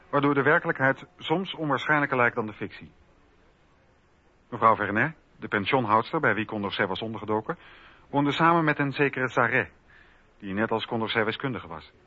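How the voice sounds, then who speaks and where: A man narrating a historical radio drama from a script in a measured, factual way. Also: medium pitch, animated, pushed and bright, no echo. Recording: slightly dull radio recording.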